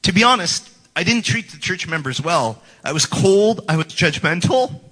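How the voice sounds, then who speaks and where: A man's voice: sits high, animated, normal speed, pushed and bright. A man in his forties giving an earnest, prepared church testimony and acting out his past scorn, in a church sanctuary. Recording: long hall reverb.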